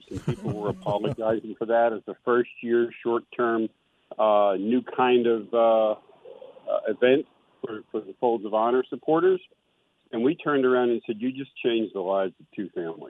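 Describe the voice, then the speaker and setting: A man talks at a moderate pace and medium pitch with a plain, everyday voice, ordinary pitch variation and big swings in loudness. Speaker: charity chapter volunteer. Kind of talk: radio call-in. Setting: phone call.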